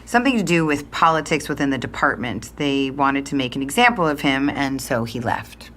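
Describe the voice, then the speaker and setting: Interviewee, extremely low female voice, wry, candid, naturalistic, faint ambient noise. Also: animated, brisk, fairly bright tone. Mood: wry, resigned. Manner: matter-of-fact, wry. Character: candid, dry daughter of an estranged detective. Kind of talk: naturalistic podcast interview drama.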